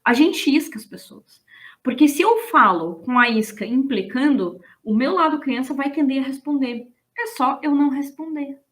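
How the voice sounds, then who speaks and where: A woman, explaining ideas in a casual, animated lesson and checking in with her listeners. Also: high-pitched, moderate pace, few pauses. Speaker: business management instructor.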